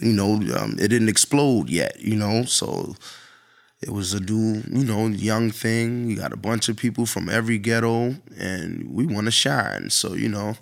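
Speaking in a New York accent, a man keeps a moderate pace, a fairly low pitch and fairly even intonation. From New York, Queensbridge. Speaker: musician, rapper's brother. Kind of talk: casual chat.

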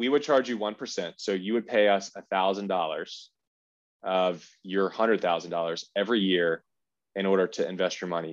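A man with an American accent, fairly low-pitched with ordinary pitch variation, speaking at a fairly slow pace against a quiet background. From US South, Georgia. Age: 20s. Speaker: financial advisor. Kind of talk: career interview.

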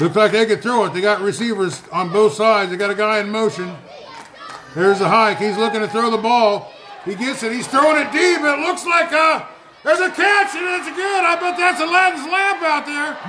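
With crowd noise in the background, a man projects a raised voice at an extremely high pitch. He talks at a fairly quick pace with very wide pitch swings. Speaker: radio sports broadcaster. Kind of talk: live play-by-play football commentary. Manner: informal, folksy, addressing listeners.

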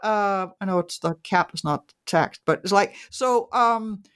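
A woman speaks with a Danish accent. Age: 50s. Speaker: author and futurist. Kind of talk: interview. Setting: remote call.

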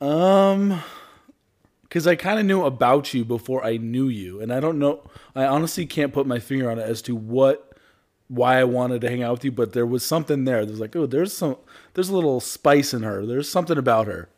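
Speech comes at a fairly quick pace in a normal speaking voice. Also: man, medium pitch for a man. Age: 30s. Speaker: podcast co-host. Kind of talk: casual chat.

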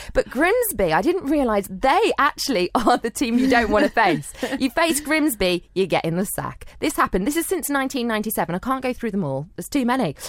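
A woman speaks at a moderate pace with hardly any pauses, her high voice swinging very widely in pitch. Noticeable background noise sits behind her. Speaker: podcast host. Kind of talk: casual chat, podcast. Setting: studio. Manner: chatty, jokey.

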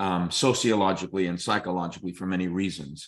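Over a quiet background, a man with an American accent speaks at a very deep, low pitch. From New York City. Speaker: pastor and bishop. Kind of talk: interview conversation.

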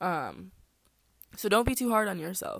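A woman's voice with ordinary pitch variation, on a very clean recording with a silent background. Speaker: podcast host; athlete. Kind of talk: solo monologue about personal life. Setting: solo recording, talking to self. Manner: fast talker, trips on words; halting, self-conscious.

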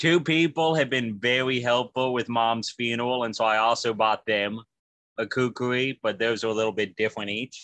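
A man with a medium pitch speaks in a bright, sharp, animated tone at a moderate pace. The sound is dry and close with no echo. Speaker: podcast co-host. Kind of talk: casual banter, profane. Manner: joking, animated.

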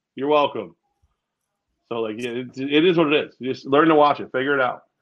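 At a fairly quick pace, a man with a fairly high pitch talks in an American accent. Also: long, frequent pauses, big swings in loudness. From New York State, outside the city. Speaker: sports podcast co-host. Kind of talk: casual chat. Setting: hotel room, remote recording.

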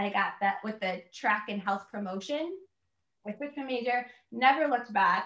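A woman with an American accent and an ordinary speaking voice, fairly high in pitch, with ordinary pitch variation at a moderate pace. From US Midwest, Chicago suburbs. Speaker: yoga teacher and health coach. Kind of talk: casual chat.

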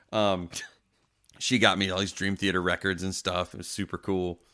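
A man's very deep, low voice with an American accent, bright and sharp in tone, monotone and flat, at a fairly quick pace. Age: 30s. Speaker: metal vocalist and bassist. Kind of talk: casual chat. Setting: home studio, remote recording.

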